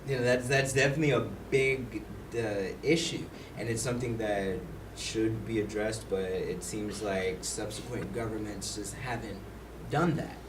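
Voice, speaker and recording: A man's voice: on the low side, fairly even intonation, moderate pace, hardly any pauses. A man hosting a talk show, hesitant and agreeable, with lots of fillers. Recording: roomy, distant mic with loud noise.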